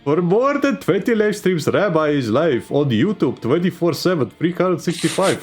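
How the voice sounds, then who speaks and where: A man's voice: very animated, moderate pace, over music. A man putting on a pushy spam-bot salesman. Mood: hyped. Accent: put-on Indian accent. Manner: higher, sing-song, rising to shouts.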